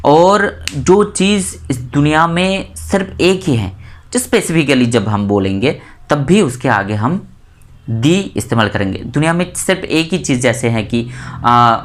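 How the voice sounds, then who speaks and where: A woman from India teaching English grammar in Hindi, saying each example word slowly and more than once to stress it. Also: a bass voice. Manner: repeats example words slowly and stresses them. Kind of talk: explanatory lesson in Hindi.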